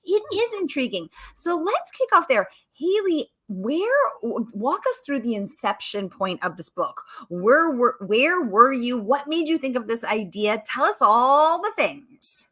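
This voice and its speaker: A woman's voice: high voice, big pitch swings, measured pace, hardly any pauses, fairly bright tone. A woman hosting a live online book event, bubbly and enthusiastic as she greets viewers and asks questions. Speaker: host. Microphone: video call.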